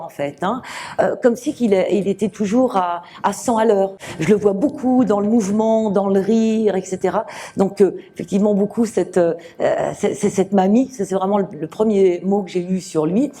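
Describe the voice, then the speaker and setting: A woman medium giving a live reading to an audience, speaking gently with many fillers and restarts. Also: mid-range voice, moderate pace. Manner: gentle, reassuring address to the sitter.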